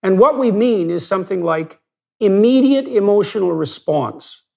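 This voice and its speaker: A man's voice: high-pitched, animated, normal speed, gravelly, a little mellow. A man talking bluntly and emphatically as a guest in a conversational interview, with some mild swearing.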